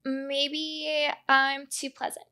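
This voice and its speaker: A woman's voice: high-pitched, flat delivery, drawn-out words, pushed and bright. A young woman from the United States co-hosting a podcast, smiley and giggly in casual chat. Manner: smiley, giggly, sweet-voiced. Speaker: podcast co-host.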